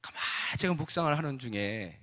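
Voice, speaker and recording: A male pastor preaching a sermon in a church sanctuary. He is animated, swinging from soft asides to fervent exclamations as he acts out scripture characters. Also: mid-range voice, brisk, long reverb tail.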